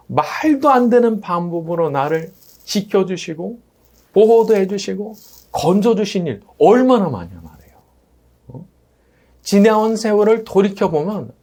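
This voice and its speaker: A man preaching a Sunday sermon as pastor, animated, often tossing in rhetorical questions. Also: a little high, breathy edge. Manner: animated, rises and drops sharply, asks rhetorical "어?".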